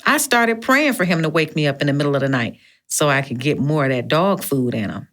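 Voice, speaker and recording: A woman's voice: low-pitched, expressive, fairly quick, fairly bright tone. A woman voicing a sassy, bawdy woman friend in an audiobook, swearing freely as she tells a story. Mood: mocking, bawdy. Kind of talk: audiobook character reading.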